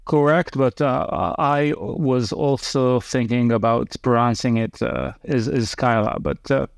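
Guy being interviewed, lots of uhs and restarts, dry close sound, middle pitch. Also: steady tone, unhurried, vocal fry, no echo. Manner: hesitant, many fillers and restarts. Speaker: guest, company co-founder and CEO. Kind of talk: casual interview conversation.

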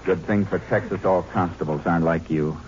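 A man's voice: deep voice, fairly even intonation, a little fast, a little mellow, slight background noise, lightly acted. An actor playing a steely, commanding Texas Ranger lawman in a 1950s radio western drama. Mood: stern. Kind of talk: 1950s radio drama acting and first-person narration. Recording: dull vintage 1950 radio recording, music.

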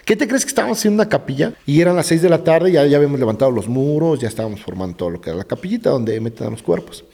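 This gravedigger guest, a middle-aged man with a Mexican accent, rattles off ghost stories rapid-fire in a creaky, husky voice. His conversational telling is lively and vivid, slipping often into hushed, low tones, with a roomy reverb on the recording.

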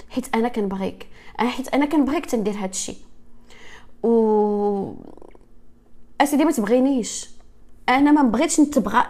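A woman's voice: a little high, dark tone. A woman with a Moroccan accent speaking earnestly to her viewers about her own experience, dropping French and English words into her speech. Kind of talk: personal talk to viewers.

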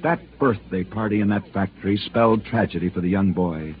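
A man hosting and narrating dramatic true stories in scripted radio style, with theatrical pauses. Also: on the low side. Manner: theatrical storytelling with emphatic pauses. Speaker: sports storyteller host. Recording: tinny old radio broadcast with hiss.

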